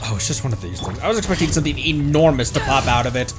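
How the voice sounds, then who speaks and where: A man's voice: medium pitch, lively intonation, very fast. A man chatting casually as he streams a game. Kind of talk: casual game livestream chat. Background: faint music.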